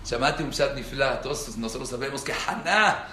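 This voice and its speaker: A man delivering a Jewish sermon, telling stories with sudden loud bursts of emphasis and lively shifts in his voice. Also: mid-range voice, normal speed. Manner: animated storytelling with sudden loud emphatic peaks. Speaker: rabbi. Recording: echoey room with faint background hiss.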